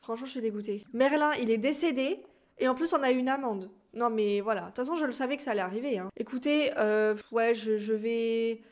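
Young woman, casual game commentary, reads on-screen text aloud, chatty, slightly high-pitched. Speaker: gaming YouTuber. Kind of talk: casual let's-play commentary.

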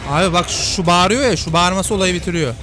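Gamer guy, excitable, slightly high voice, loud game music underneath, casual play commentary. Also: fast. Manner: excitable, yells at the screen. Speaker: gaming youtuber.

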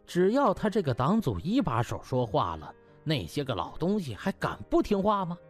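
A man narrating a comic novel as an audiobook, in an animated, dramatised storytelling style. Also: a little high, normal speed, faint music behind.

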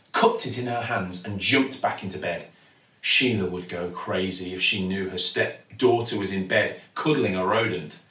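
A man's voice: on the low side, fairly bright tone. British man reading a storybook, roomy sound. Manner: theatrical, with dramatic pauses and emphasis. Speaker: actor reading a bedtime story. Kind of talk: expressive children's storybook narration. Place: living room at home, indoors. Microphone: camera or phone a few feet away. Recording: roomy, mic at some distance.

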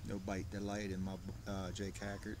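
Low-pitched man talking with pipe in mouth. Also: monotone, normal speed. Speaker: pipe vlogger. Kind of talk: casual chat to camera. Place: outdoors on a back porch. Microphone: camera at about arm's length. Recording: noisy home video.

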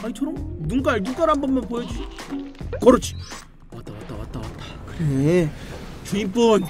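A man's voice: sits high, wildly swooping pitch, moderate pace. A man doing live game commentary as a streamer, theatrical and exclamatory, playfully addressing his viewers. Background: game music.

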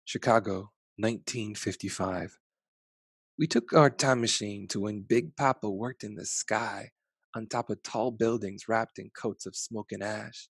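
A man's voice: lowish voice, unhurried, gravelly, slightly rough, dry recording. An American man around forty reading and talking to children at storytime, addressing them directly with questions on a headset mic. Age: 30s or 40s. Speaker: children's author reading aloud. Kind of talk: children's storytime talk and read-aloud. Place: small bedroom at home. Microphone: headset microphone.

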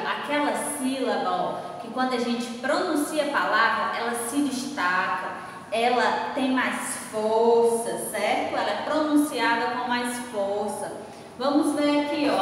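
A woman teacher with a Brazilian accent, giving a recorded lesson to young children, slow and patient, stressing each syllable clearly. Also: on the high side, a little hiss or hum. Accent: Brazilian Portuguese. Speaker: schoolteacher. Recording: echoey room heard from far off.

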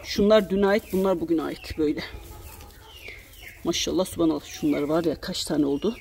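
A woman's voice: sits low, fairly quick, creaky, darkish tone, slight background noise. A woman vlogger and chicken keeper, chatting casually to her hens and her viewers outdoors in a garden, exclamatory and affectionate. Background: hens clucking nearby.

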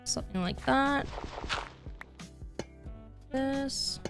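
A woman's voice: high-pitched, extremely slow, music in the background. A young adult woman streaming a game, chatting casually in a bubbly way with lots of filler words. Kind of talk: casual chat while playing a game.

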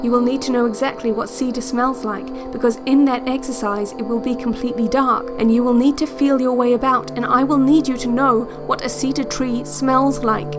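A woman playing a calm, controlling relaxation-tape instructor in a scripted audio fiction, speaking in a measured, deadpan, instructive way. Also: fairly high pitch, over music, close to an everyday voice. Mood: soothing, instructive. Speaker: narrator of relaxation cassettes.

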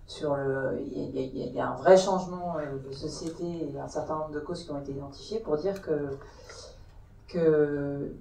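A woman panelist at a round-table in a large conference hall speaks hesitantly into a handheld mic, often restarting her sentences. Her voice sits low and is gravelly and warm at a moderate pace. Filmed from far off, the recording is echoey with slight background noise.

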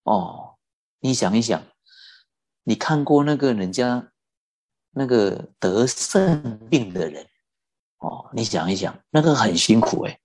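A Buddhist teacher giving a dharma talk and telling a story in an animated way, stretching out particles like "oh" and "ah". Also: mid-range voice, takes it slowly, pauses often.

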